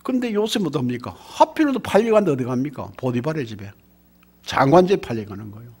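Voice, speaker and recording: Animated husky Gyeongsang preacher man. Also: medium pitch, fast. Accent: Gyeongsang Korean. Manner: animated preaching with rhetorical questions and congregation call-and-response. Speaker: pastor. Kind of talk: sermon.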